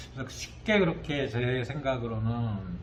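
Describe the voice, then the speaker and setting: A man at a medium pitch with ordinary pitch variation and a fairly slow pace, over noticeable background noise. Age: 40s. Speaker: licensed real estate agent. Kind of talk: casual vlog talk to camera.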